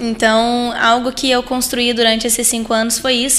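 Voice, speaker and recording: In a monotone, flat delivery, a woman speaks at a fairly high pitch against noticeable background noise. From southern Minas Gerais, Brazil (Itajubá). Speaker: optical store manager. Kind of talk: casual interview.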